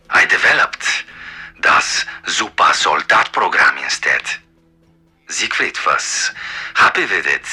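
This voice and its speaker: An actor playing an eccentric, older German wartime scientist in a video game, excitable and arrogant, raspy and halting, with a German accent. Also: male voice, rumbling low, full character voice. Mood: indignant. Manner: halting, theatrical, with abrupt outbursts. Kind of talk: video game character acting.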